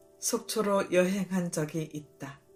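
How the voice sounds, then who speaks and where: Music plays behind a woman speaking at a medium pitch. She talks very slowly with fairly even intonation. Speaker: recitation performer. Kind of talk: literary essay reading.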